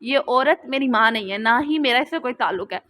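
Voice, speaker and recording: A woman voicing a furious young man who shouts through clenched anger at his family. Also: a little high, lively intonation, brisk.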